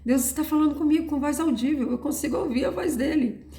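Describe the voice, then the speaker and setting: A woman's voice: high voice, fast talker, dark tone, voice pushed up, lightly acted. A woman quoting an amazed, eager friend who asks questions about what she hears. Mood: excited. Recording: roomy echo.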